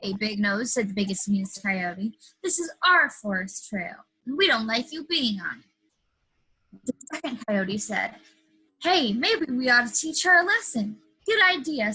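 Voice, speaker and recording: A woman's voice: on the high side, animated, measured pace, sharp tone, husky, full character voice, low-quality recording. A woman playing a bubbly but unhinged, weepy children's storyteller with melodramatic sing-song delivery in a comedy sketch. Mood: storybook telling. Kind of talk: comedy sketch staged reading.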